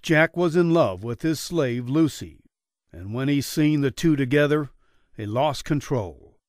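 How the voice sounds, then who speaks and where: A man's voice: mid-range voice, animated, unhurried, dry recording, studio quality. A man narrating scripted horror stories in a dramatic style, as a story reader. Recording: music bed behind the reading.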